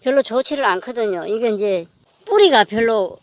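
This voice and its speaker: A woman's voice: on the high side, lively intonation, normal speed. A woman, narrating her own farm vlog in a plain, matter-of-fact way with a mild grumble. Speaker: home farmer vlogger. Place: outdoor vegetable field.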